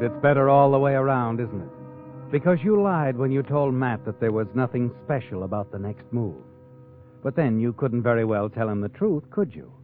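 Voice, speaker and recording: A man's voice: mid-range voice, lightly acted. An actor playing an ominous, knowing narrator of crime tales in a 1940s radio drama, taunting and theatrical as he addresses his character. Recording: tinny old radio recording, music behind.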